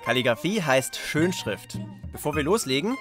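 A man's voice: fairly high pitch, big pitch swings, moderate pace, over music. A young man presenting a children's reportage, explaining things simply in short, casual sentences. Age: young adult. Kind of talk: lively explanatory narration and casual chat for children.

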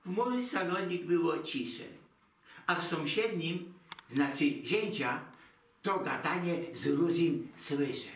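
A man's voice: fairly high pitch, slow. An actor playing a fretful, theatrical elderly Jewish mother who speaks Polish with a Yiddish inflection, lamenting in a singsong voice. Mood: complaining. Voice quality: singsong lamenting, broken grammar. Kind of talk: comic stage monologue. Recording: roomy, distant mic.

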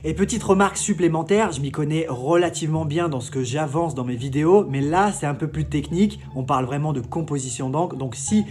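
A man's voice: a little high, brisk, few pauses, a little mellow, faint music behind. A man in his thirties with a congested, nasal voice from a cold and swollen tonsils, chattily presenting a casual explainer to camera. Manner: chatty, informal, gesturing while talking. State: sick with a cold and tonsillitis, voice giving out. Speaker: tattoo video presenter. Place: small home studio room in an outbuilding.

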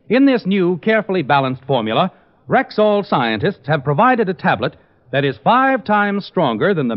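An American man reading a scripted advertisement as a 1950s radio announcer. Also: high-pitched. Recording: dull old radio recording.

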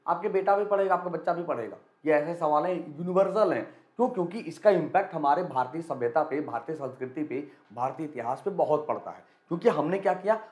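A young male teacher running a live quiz lesson, energetic and repetitive, urging students to answer quickly. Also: on the high side, reverberant. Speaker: online exam-prep teacher.

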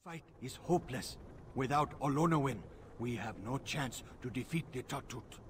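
A man's voice: mid-range voice, normal speed, natural voice. A man playing a grave, loyal alien tribal warrior in a video game, speaking in formal, clipped phrases. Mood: urgent. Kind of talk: video game character acting. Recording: faint background noise.

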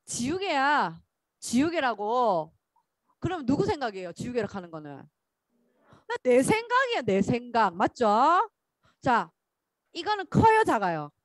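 A woman's voice: sits high, dry recording. A woman preaching to children at a church, calling out lines for them to repeat. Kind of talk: sermon to children.

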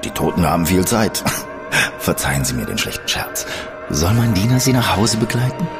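Creepy male medium, low voice with lively swings, soothing menace, music bed. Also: moderate pace. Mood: menacing. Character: sinister male spirit medium, calm and creepy. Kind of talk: radio play acting.

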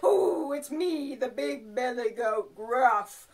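A woman voicing a big, confident male billy goat in a puppet show, firm and drawn-out, with bleats. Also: high voice, animated, far from the mic, exaggerated voice. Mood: defiant.

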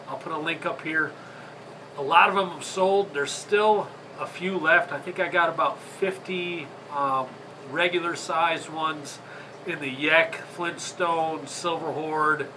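A stuffy, congested man with a Michigan accent talks in a chatty, rambling way, apologizing as he goes. His voice sits a bit high and sounds bright and edgy. A faint room hum sits under the speech. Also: poor audio. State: congested from a sinus infection. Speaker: fishing channel host. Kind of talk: casual how-to video. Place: indoor tackle workshop.

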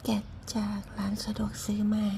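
Casting: woman for hushed, quiet-at-night ASMR eating commentary, soft breathy whisper, dark gentle tone, some background hiss. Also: moderate pace. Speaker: ASMR eating show host.

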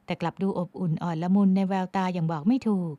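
A woman narrating an audiobook novel with expressive storytelling. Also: on the low side, fast talker, dry recording, lo-fi sound.

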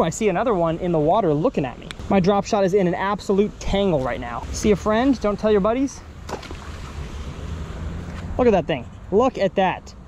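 A man's voice: high voice, a little mellow. A man, chatting casually through a fishing vlog by an outdoor pond. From Texas. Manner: upbeat, chatty, thinking aloud while fishing. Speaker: fishing vlogger. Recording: outdoor recording with faint ambient noise.

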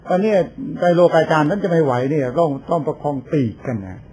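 Older monk rambling through a sermon, voice a bit high, little bit of hiss behind. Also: male voice, quick pace, a little mellow. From Thailand. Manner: chatty storytelling with laughs and quoted voices. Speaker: Buddhist monk. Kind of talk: informal sermon.

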